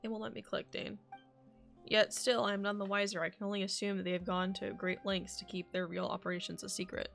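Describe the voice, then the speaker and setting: A woman's voice: mid-range voice, level tone, a little fast, gravelly, fairly bright tone. A woman live streamer giving casual commentary on a game and reading its dialogue aloud. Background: game music.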